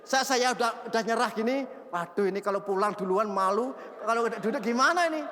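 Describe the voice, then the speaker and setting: A male pastor preaching an animated sermon full of stories, acting out shouted prayers and laughing at himself. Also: high-pitched, fast. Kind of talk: sermon with storytelling. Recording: long reverb of a large hall.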